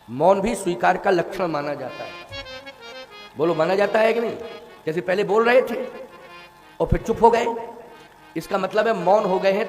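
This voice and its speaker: A man giving a devotional sermon, asking the listeners rhetorical questions and now and then singing verses slowly. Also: high voice. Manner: rhetorical questions to the audience, breaks into slow song. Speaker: preacher of Ramayana katha. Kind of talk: devotional sermon with sung chaupais. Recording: reverberant hall with music. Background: devotional music with tabla.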